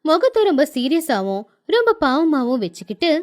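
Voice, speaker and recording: A woman narrating a village family story in an expressive storytelling manner, voicing the characters. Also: sits high, normal speed. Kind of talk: scripted village story narration with acted dialogue.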